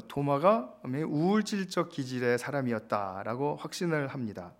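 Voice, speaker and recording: A man preaching a sermon, explaining scripture with pauses, fillers and acted-out quotes. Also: fairly high pitch. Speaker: pastor.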